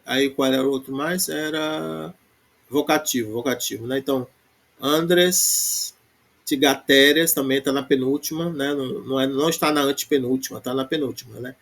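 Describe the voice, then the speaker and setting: A man with a Brazilian Portuguese accent teaching a Greek grammar lesson, reciting word forms slowly and then explaining in quick bursts, often tagging "né?". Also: medium pitch, fairly even intonation, gravelly.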